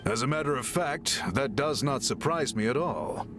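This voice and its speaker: An actor playing a thoughtful, courteous male tribal chief in a video game, speaking in formal, measured phrases. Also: medium pitch, natural voice. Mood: matter-of-fact. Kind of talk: scripted video game dialogue. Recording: background music under the voice.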